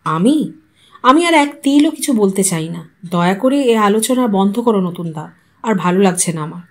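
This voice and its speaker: Woman acting offended male guest, grave, cold sarcasm, cutting, dismissive, story dialogue, moving pitch. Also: lively intonation, normal speed. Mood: cold, bitter. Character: Niren, aggrieved, coldly sarcastic male house guest.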